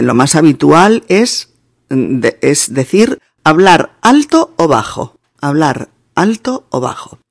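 A woman's voice: low voice, darkish tone, no echo, clean studio sound. A woman with a Spain Spanish accent hosting a teaching podcast, repeating words and spelling them out letter by letter.

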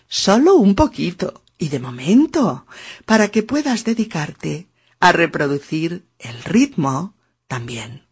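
A woman from teaching pronunciation in a podcast lesson, speaking slowly and deliberately and sounding out rhythm. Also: deep voice, breathy edge. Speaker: Spanish teacher.

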